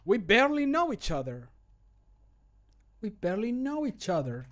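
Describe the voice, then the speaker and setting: Man acting a frightened pleading adventurer, high-pitched. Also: big pitch swings, normal speed, fairly bright tone. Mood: dramatic. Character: scared man pleading with bears, game follower. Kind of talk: game mod voice acting.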